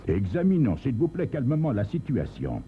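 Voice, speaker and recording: A man's voice: mid-range voice, huge pitch swings, normal speed, pitched above the performer's own voice. A man voicing a pompous, irritable store director who grumbles and blusters in a crime story reading. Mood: nervous, pleading. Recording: tinny lo-fi recording, faint hiss.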